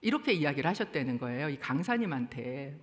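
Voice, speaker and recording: Woman pastor giving a sermon, super expressive pitch, long echo like a big sanctuary. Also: quick pace. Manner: animated storytelling, rising to emphatic exhortation. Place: church sanctuary. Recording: long church hall reverb.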